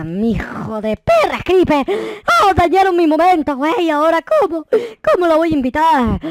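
A man voicing an excitable, mischievous, foul-mouthed young Minecraft noob, exclaiming and muttering to himself as he plays. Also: very high voice, no echo. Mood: startled, exasperated. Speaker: gaming video host. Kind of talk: roleplay gameplay commentary.

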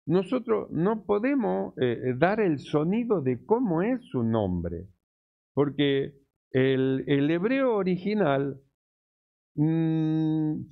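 Slow gravelly guy preaching, slightly high voice, dull lo-fi sound. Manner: slow, deliberate teaching with repetitions. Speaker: pastor. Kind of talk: sermon.

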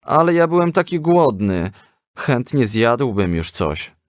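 A man's voice: medium pitch, very animated, a little slow, dry recording, studio quality, pitched above the performer's own voice. A man voicing a young boy, a whiny, sulky and naive son in a children's story. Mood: whiny, worried.

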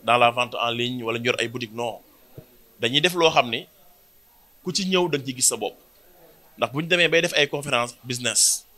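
A man in his thirties with a Senegalese accent, an event organizer giving a measured, explanatory statement at a press conference in an indoor room. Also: medium pitch, sharp tone. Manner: switches between French and Wolof, measured and explanatory. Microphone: cluster of handheld press mics.

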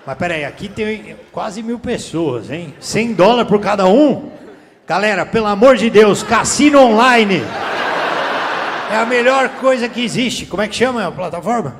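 Brazilian male stand-up comic, raspy and high-pitched, crude teasing crowd work, live in a reverberant theater with faint noise. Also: expressive, normal speed. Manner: profane, teasing slang-heavy banter. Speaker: stand-up comedian. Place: large theater stage. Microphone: handheld mic. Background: audience laughter.

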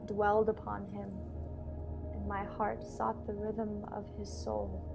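A young woman acting a composed, devoted lower-caste starship attendant in a radio play, measured and formal in both dialogue and narration. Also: monotone, vocal fry, over loud music, poor audio. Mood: wistful. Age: young adult. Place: bedroom, over a video call.

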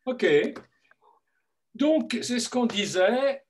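A man's voice: extremely high pitch, lively intonation, very slow, a little mellow. A man in his fifties hosting a casual chat on a video call from home, hesitant with many fillers and given to playful teasing. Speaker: host. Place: home room, indoors.

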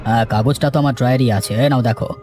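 A man playing a shrewd, seasoned land broker in a cartoon, giving measured, matter-of-fact advice and cautions. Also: mid-range voice, fairly even intonation, mellow, soft background music, close to an everyday voice. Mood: confiding, advising. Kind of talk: dramatized cartoon dialogue.

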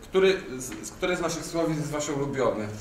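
A man's voice: on the high side, animated, moderate pace. Young male co-host, irreverent casual banter, off-mic in an echoey room with faint noise. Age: young adult. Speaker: co-host promoting audio dramas. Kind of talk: casual jokey chat. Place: indoor green-screen studio at a table. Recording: roomy, distant mic with background noise.

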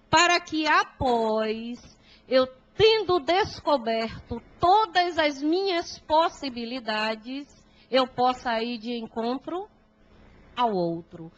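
A Brazilian woman with a Brazilian Portuguese accent delivers a gospel lecture in a large auditorium, holding a handheld microphone. Her voice sits high, and she takes her time, leaning on words and turning to the audience with questions. The recording sounds muffled and lo-fi. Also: a bit bright. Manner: slow, emphatic, with rhetorical questions to the audience. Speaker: spiritist lecturer. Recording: dull lo-fi hall recording.

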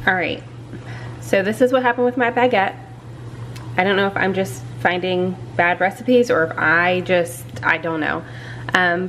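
A vlogger talks through a bread recipe in her home kitchen, chatty and a bit self-deprecating, in a casual cooking walkthrough. Her voice is lowish, and a little hiss or hum can be heard.

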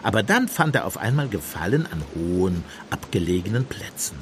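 An actor playing a gentle, shrewd priest-detective in a German radio play, speaking in a musing, deliberate, softly pointed way. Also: male voice, fairly low pitch, big pitch swings, slight background noise. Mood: grave, pointed. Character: gentle, shrewd priest-detective, mild-mannered, quietly probing.

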